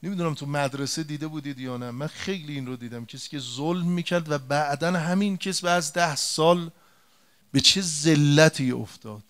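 A man's voice: fairly high pitch, a bit bright, smooth. A man preaching a religious sermon, retelling an old story in a colloquial way and turning to his listeners with direct rhetorical questions and emphatic repetition.

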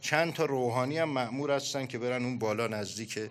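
A middle-aged man preaching a sermon, telling a story with animated storytelling and acted-out dialogue. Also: medium pitch, a little hiss or hum.

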